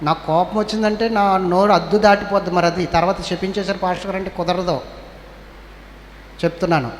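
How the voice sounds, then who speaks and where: In an echoey church hall with faint ambience and slight background noise, a male pastor with a Telugu accent from Andhra Pradesh preaches a sermon. His voice sits high with a steady tone and a fairly quick pace. He calls on the congregation to respond, scolding and exhorting them.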